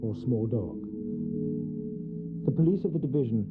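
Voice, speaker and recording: A man acts a sober gentleman recounting gothic horror as a radio drama narrator. His delivery is measured and formal at a middle pitch, with prominent music behind and a thin, phone-like sound. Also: lively intonation, lightly acted. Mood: grave, reporting. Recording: tinny narrow band, music behind.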